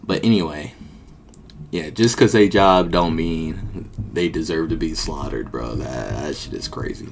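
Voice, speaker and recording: A man's voice: very deep voice, measured pace, vocal fry, a little hiss or hum. A young man streaming, chatting casually and swearing as he reacts to a documentary. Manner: slangy, swearing, talks back to the video. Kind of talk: casual live reaction chat.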